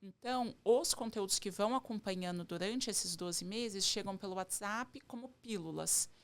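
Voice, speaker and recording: An earnest woman with a strong country accent from the São Paulo interior. She explains things at length in a relaxed podcast chat, stringing her points together with many connecting words. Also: medium pitch, normal speed. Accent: rural São Paulo interior. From Barretos, Brazil. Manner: earnest, explains in long runs with many "então". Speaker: podcast guest, entrepreneur. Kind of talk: casual podcast conversation.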